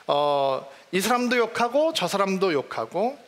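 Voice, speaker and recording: A man's voice: high-pitched, sing-song, unhurried, fairly bright tone, long reverb tail, a little hiss or hum. A man preaching a sermon as pastor, in a conversational way, often putting questions to the congregation.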